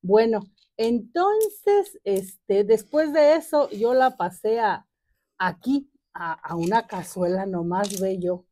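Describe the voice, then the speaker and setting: A woman's voice: mid-range voice, animated, slow pace, warm tone. An older woman, hosting a casual gardening vlog, chatty and joking, with many fillers and a fond tone toward her plants. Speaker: gardening channel host. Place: home garden outdoors.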